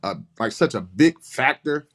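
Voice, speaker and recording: Forty-something male podcast host, mid-pitched, blunt and argumentative. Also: lively intonation, unhurried. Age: 40s. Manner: blunt, opinionated, repeats words while arguing. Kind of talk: casual chat.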